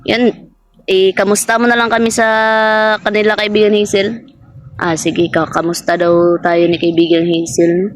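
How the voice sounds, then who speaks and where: A woman's voice: lowish voice, little pitch movement, moderate pace, no room sound. A woman vlogging outdoors in a garden, chatting casually with an unseen spirit friend, passing on what it says and laughing often. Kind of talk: casual spoken vlog addressing an unseen spirit.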